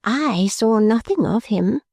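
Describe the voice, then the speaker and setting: A woman's voice: fairly high pitch, lively intonation, takes it slowly, a little mellow, no echo, studio quality, voice pushed up, full character voice. A woman voicing a little, cheerful family friend in a storybook, arch, knowing and chatty.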